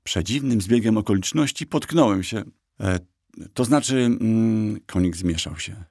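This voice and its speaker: In an audiobook character voice, a man plays a small black talking horse who is boastful and mischievous, narrating his tale with a sly, mocking edge. His voice is low, husky-grained and a little mellow, animated and at a normal speed. The recording is dry and sounds close, like an audiobook.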